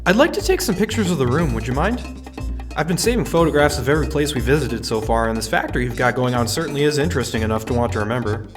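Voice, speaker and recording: A man playing an observant, wry visitor narrating his own tour in a fan audio drama, measured and dry. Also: mid-range voice, expressive, natural voice. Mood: dry, polite. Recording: roomy sound under music. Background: music.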